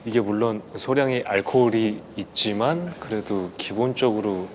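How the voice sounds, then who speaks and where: A man's voice: on the low side, normal speed, darkish tone. A man who is a guest at a drinking table, speaking thoughtfully and deferentially. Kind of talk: casual chat over drinks.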